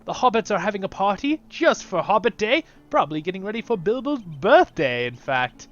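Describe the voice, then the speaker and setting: A man's voice: high-pitched, very animated, a little fast, highs cut off. A man hosting his channel, giving casual, chatty commentary while playing a fantasy game. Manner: upbeat, chatty, drifts into softer asides. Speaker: YouTube channel host.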